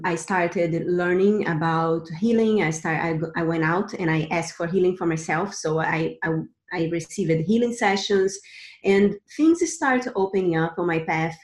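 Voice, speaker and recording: Woman, middle-aged, from Brazil, interview guest, earnest, halting restarts, lowish voice, roomy echo. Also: steady tone, darkish tone. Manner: earnest, many restarts and repeated words. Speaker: guest, Akashic Records teacher. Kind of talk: interview, personal story.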